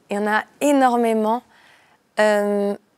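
Fairly high, fairly even speech from a woman. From France, Nantes; France. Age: 20s. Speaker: singer-songwriter; interviewee. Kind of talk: interview monologue; interview answer. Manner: hesitant, many fillers and repetitions. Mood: warm, smiling, reflective. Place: studio.

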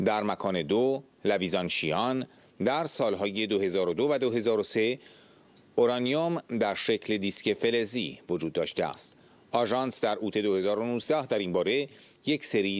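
A normal speaking voice comes from a man at a medium pitch. He moves at a moderate pace with lively intonation. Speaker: narrator reading statement. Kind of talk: reading aloud. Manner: formal.

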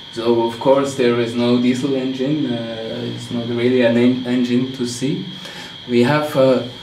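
The speech moves at a fairly slow pace, with audible room echo and light background noise. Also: man. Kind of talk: tour explanation. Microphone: phone near.

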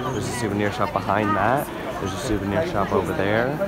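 Against crowd noise in the background, a man speaks at a fairly quick pace with ordinary pitch variation, the sound dry and free of echo. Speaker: travel vlogger filming. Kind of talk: casual vlog commentary. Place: street. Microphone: phone near.

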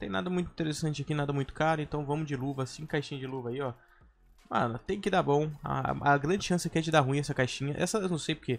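This man talks at a very fast pace with a fairly high pitch. His pitch varies in an ordinary way, and the background is quiet. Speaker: gaming YouTuber. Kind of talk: casual gaming video talk. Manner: animated.

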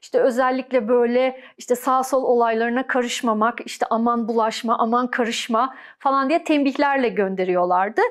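A woman talks at a moderate pace in a high voice with ordinary pitch variation and very even loudness. She leaves hardly any pauses, and the background is quiet. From Germany, then Eskişehir, Turkey; Germany. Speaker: oral history narrator, former student activist; oral history narrator. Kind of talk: oral history interview. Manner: hesitant, many fillers. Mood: calm, reflective. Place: studio. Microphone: lapel.

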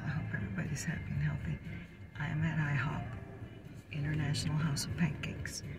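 Against loud background noise, a woman speaks at a very fast pace. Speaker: food vlogger. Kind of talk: casual vlog chat. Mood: cheerful, chatty. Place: car. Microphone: phone near.

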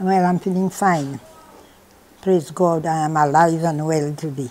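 A woman's very deep, low voice in a Dominican accent, with a fairly slow pace and fairly even intonation. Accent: Dominican Caribbean English. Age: 80s+. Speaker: centenarian interviewee. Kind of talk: interview answer. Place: home room. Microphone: lapel.

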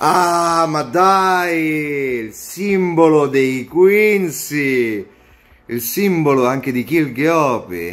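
Faint music plays behind a man whose voice sits at a fairly high pitch. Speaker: voice actor. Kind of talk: casual unboxing reaction to camera. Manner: excited, moved. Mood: moved, excited, grateful. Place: home room. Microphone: phone near.

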